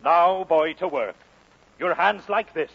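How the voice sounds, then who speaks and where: An actor playing a gruff, courteous Welsh prizefighter in a vintage film drama, with a husky voice. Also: male voice, a little high, slow, full character voice. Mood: instructing. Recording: dull vintage film soundtrack.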